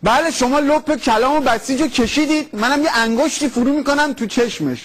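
A man hosting a satirical comedy sketch, talking in a mocking, animated way. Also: very high-pitched. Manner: mocking, fast and animated, laughing. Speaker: satirical radio host.

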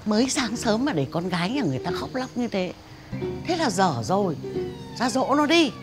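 A woman's voice: medium pitch, big pitch swings, normal speed, over music, natural voice. An actress playing a blunt, earthy old village woman who teases the young people around her in a TV drama. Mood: scolding. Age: older. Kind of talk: TV drama acting.

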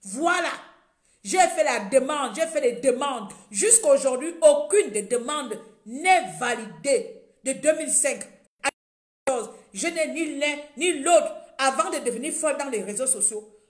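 A woman in her thirties from Gabon, ranting indignantly to her phone camera in a small room, repeating herself and growing louder. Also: sits high, lively intonation, measured pace, echoey room. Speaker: vlogger. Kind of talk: impassioned direct-to-camera rant. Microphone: phone camera at arm's length.

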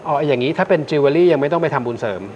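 A man's voice: a little high, rapid-fire, lo-fi sound, slight background noise. A man hosting a live call-in astrology show, reassuring callers and repeating his key points. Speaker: astrologer host. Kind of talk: live call-in fortune reading.

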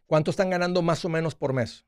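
Fast-talking man hosting a call-in show. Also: a little high, clear, resonant tone, no echo, clean studio sound. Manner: fast, direct, repeats and restarts words. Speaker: radio show host giving money advice. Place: small studio with acoustic foam wall. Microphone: studio mic with headphones.

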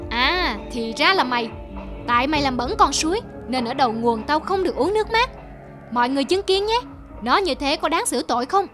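Greedy old wolf for a cartoon, sneaky n blustery, high voice, music behind. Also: female voice, animated, fairly quick. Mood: accusing. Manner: scheming, blustering. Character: sly, wicked, greedy old male wolf. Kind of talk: cartoon voice acting.

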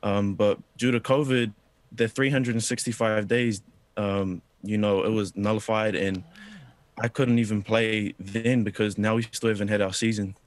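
A man's voice: fairly low pitch, fairly even intonation, normal speed. A young man from New Zealand on a video call, answering politely and earnestly, calling the host sir. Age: young adult. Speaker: interviewee. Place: indoor room.

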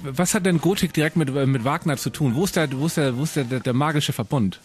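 A man's voice: a little high, fast. A German man co-hosting a comedy radio show, firing teasing questions at a caller. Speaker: radio host.

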